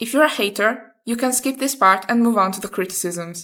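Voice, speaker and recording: Recorded very clean with a silent background, the voice has an Italian accent, a bright, sharp tone and a fairly quick pace. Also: woman. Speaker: video reviewer. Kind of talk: scripted review commentary.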